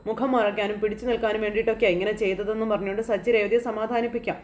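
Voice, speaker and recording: A woman's voice: mid-range voice, flat delivery, very fast, a little mellow. A woman from Kerala casually recapping a TV serial episode, chatting her way through the scenes and quoting the characters as she goes.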